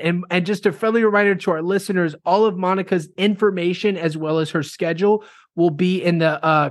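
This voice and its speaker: A man's voice: a little high, dry recording, clean studio sound. A man hosting a casual interview, upbeat and repeating himself, with some fillers. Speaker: podcast host.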